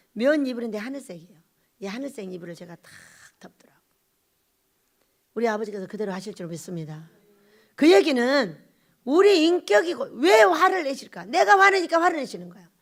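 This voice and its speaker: Woman, pastor, Sunday sermon, high voice, very lively intonation, loud emphasis then hushed asides. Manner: repeats short phrases and questions the congregation.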